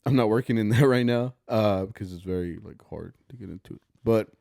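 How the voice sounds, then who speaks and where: A man's voice: lowish voice, fairly quick, creaky, warm tone, dry recording, clean studio sound. A young man co-hosting a podcast, chatting easygoing and talkative, rambling with fillers. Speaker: podcast co-host. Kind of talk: casual podcast chat.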